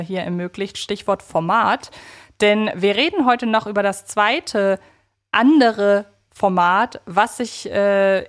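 A woman co-hosting a podcast, casually discussing audio dramas and reflecting on her personal opinions. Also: medium pitch. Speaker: podcast co-host.

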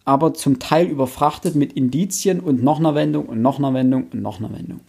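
A man co-hosts a casual book podcast. His voice is mellow and a little rough, with a husky grain. He explains his points and piles up examples as he talks. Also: medium pitch, fast talker. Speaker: podcast co-host.

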